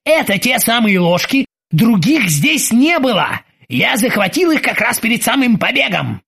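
A woman's voice: a little high, big pitch swings, moderate pace, vocal fry, a bit bright, breathy edge, voice pushed up, full character voice. A woman voicing an irritable, self-pitying male ship captain who rants in exclamations. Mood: ranting. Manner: exclamatory, ranting.

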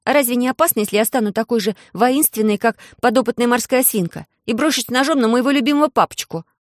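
Reader plays a clever headstrong young girl, quick and persuasive. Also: mid-range voice, no echo, clean studio sound, pitched above the performer's own voice, close to an everyday voice. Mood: arguing. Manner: quick, persuasive, slightly mocking. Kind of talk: audiobook character voice.

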